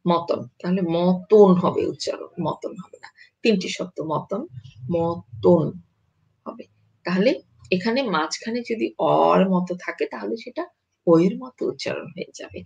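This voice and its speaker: A language teacher giving an online pronunciation lesson, speaking haltingly with many "uh" fillers, repeating each example word and checking in with "yes?". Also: mid-range voice, gravelly, darkish tone, poor audio. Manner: slow, halting delivery with frequent "uh" fillers.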